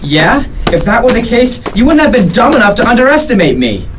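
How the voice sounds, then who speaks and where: A man's voice: very high-pitched, big pitch swings, fairly quick, distant mic, background noise. A man playing a clever, analytical and confident young hero in an audio drama, dry and sarcastic. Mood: defiant.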